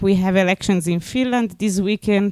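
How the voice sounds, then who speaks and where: In a dry, close recording with no echo, a woman speaks at a medium pitch. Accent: Italian. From Italy. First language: Italian. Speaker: European party official. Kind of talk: panel discussion. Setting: hybrid event, office and online. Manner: halting.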